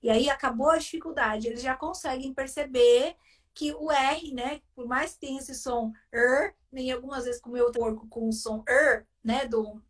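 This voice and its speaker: A woman's voice: high voice, steady tone, moderate pace, distant mic. A Brazilian woman, a literacy specialist, explaining phonics on a live video chat, often tagging her sentences with "né?". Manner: explanatory, with frequent "né?" tags.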